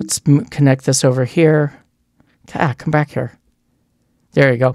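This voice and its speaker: Mumbling at a fairly slow pace, a man speaks in a fairly high pitch with fairly even intonation, the sound dry and close with no echo. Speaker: university electronics lecturer. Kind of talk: screen-capture tutorial narration. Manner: mumbling, casual, with frequent misspeaking.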